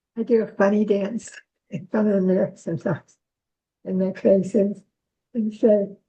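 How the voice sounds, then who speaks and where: A woman with a dark, mellow tone and a somewhat breathy voice speaks at a medium pitch and a moderate pace. Her intonation is fairly even, broken by long, frequent pauses. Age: 80s+. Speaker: participant in spiritual group call. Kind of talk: casual sharing on group call. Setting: video call.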